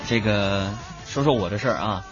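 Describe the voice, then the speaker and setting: A man's voice: lowish voice, normal speed. A young man hosting a radio show, telling comic stories about his family in a playful voice and acting out their voices. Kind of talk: comic storytelling monologue. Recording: dull lo-fi radio recording with music.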